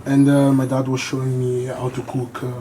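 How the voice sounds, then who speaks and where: A man's voice: medium pitch, monotone, moderate pace, warm tone, a little hiss or hum. A young man from Italy, a catering student, answering interview questions hesitantly with many fillers. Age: young adult.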